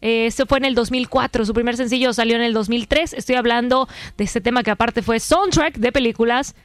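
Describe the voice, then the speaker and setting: A woman's voice: fairly high pitch, brisk, no echo. A woman radio host from Yucatán, Mexico, with a mostly neutral Mexican Spanish accent and a slight Yucatecan touch, chatting casually on air with many fillers. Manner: chatty, filler-heavy, playful.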